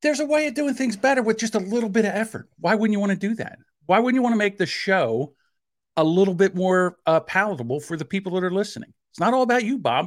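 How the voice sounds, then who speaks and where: A man with a South Jersey accent, a high pitch and lively intonation, at a very fast pace in a very clean recording with a silent background. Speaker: podcast co-host.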